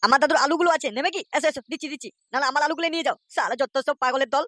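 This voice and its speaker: A woman's voice: high-pitched, rapid-fire, a bit bright, dry recording, clean studio sound. Woman doing a foul-mouthed young cartoon rickshaw driver. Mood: angry. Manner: cursing, quarrelsome. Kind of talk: cartoon voice acting.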